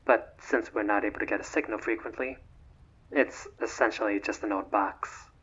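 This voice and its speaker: A man voicing a bored, courteous immortal vampire in a roleplay audio, with formal, measured, slightly haughty old-fashioned diction and a husky voice. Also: lowish voice, steady tone, fairly bright tone, lo-fi sound. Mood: dry, world-weary. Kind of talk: scripted roleplay audio drama, one side of a phone call.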